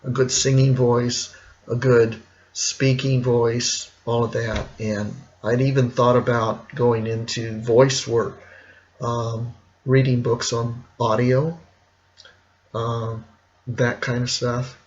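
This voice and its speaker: A middle-aged man with a gravelly, hoarse, cracking voice, talking casually and reflectively in a rambling personal vlog. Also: mid-range voice, flat delivery, darkish tone, highs cut off. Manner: rambling, reflective, slow with pauses. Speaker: vlogger.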